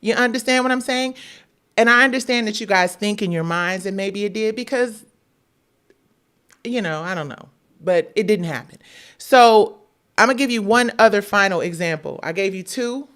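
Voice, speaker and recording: A woman's voice: mid-range voice, moderate pace, fairly bright tone. Emphatic, candid woman livestreamer. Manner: candid, emphatic, profane storytelling. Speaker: livestream host. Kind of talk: live Q&A monologue to viewers.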